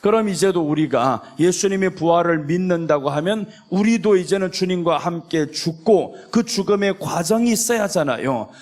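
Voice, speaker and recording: A man's voice: sits high, expressive, moderate pace, few pauses, a little mellow. A man, a pastor, preaching a sermon and acting out imagined talks between God and believers in different voices. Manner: acts out conversational prayers and God's replies in shifting voices.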